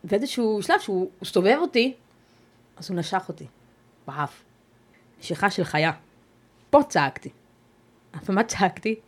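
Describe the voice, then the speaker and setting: With a mid-range voice and lively intonation, a woman guest on an interview podcast relates a personal ordeal. She moves through it in a measured, halting way, pausing and beginning again as she goes.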